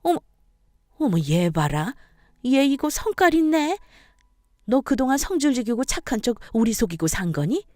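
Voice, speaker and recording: A woman's voice: sits high, big pitch swings, normal speed, a little mellow, no echo, clean studio sound, voice pushed up. A woman voicing a contemptuous middle-aged mother-in-law who berates and insults her daughter-in-law. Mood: sneering.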